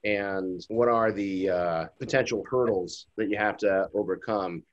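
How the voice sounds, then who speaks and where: A man's voice: fairly low pitch, measured pace, dull audio. A man in his fifties co-hosting a casual discussion over a video call, reflective and musing, often restarting his sentences. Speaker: co-host. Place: home room, indoors. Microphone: webcam on a video call.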